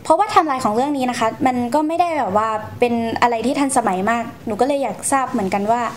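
A woman's voice: fairly high pitch, animated, fast talker, a little hiss or hum. A young woman, answering interview questions in a polite, explanatory manner as she recounts her experiences. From Thailand. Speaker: guest storyteller.

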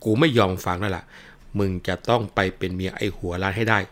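A man voicing a coarse, domineering older mother who yells crude insults at her daughter. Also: lowish voice, fairly even intonation, fast, natural voice. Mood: furious. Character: furious scolding old mother, coarse and domineering.

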